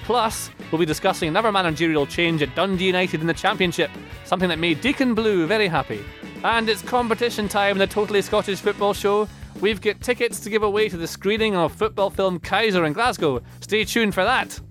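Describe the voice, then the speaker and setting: A male podcast host with a fairly high-pitched voice presents football news and banters with his guest. It is a studio recording, with some music behind him. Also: a little fast, fairly bright tone.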